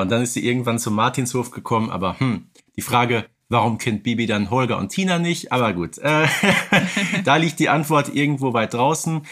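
A man's voice: mid-range voice, fairly bright tone. Male co-host, casual and conversational, keeps checking in with short tag questions. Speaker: podcast co-host. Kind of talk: casual chat about audio dramas.

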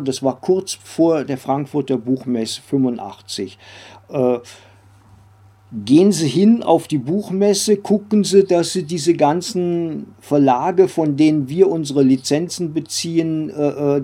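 Interview guest: older male, mellow, husky voice, halting conversational recall with frequent tag questions. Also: fairly high pitch. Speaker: interview guest, former comics publisher and editor.

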